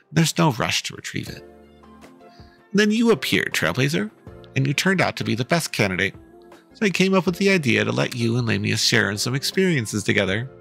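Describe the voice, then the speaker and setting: A man streaming a game, reading its dialogue aloud in a casual, playful way. His voice is bright and gravelly, with a lively rise and fall, over soft music. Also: medium pitch.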